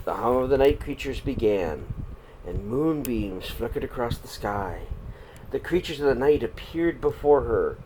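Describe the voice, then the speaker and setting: A man reads aloud to children as a storyteller. His voice sits at a medium pitch and his delivery is dramatic and expressive. There is noticeable noise behind him. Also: low-quality recording. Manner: dramatic, swinging between hushed and projected. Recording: clear background noise.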